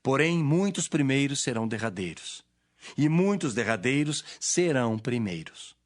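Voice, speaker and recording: Man acting grave authoritative teacher, declamatory, Bible drama, mid pitch, animated melody. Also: normal speed, natural voice. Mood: earnest, solemn.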